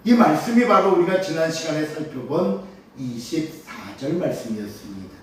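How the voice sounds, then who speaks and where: High, lively-voiced pastor in an echoey church. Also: male voice, normal speed, a little hiss or hum. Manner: asks rhetorical questions and cues the congregation to read aloud. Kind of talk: Sunday morning sermon, expository Bible teaching. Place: church sanctuary during a worship service. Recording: very echoey church sound from a distant mic.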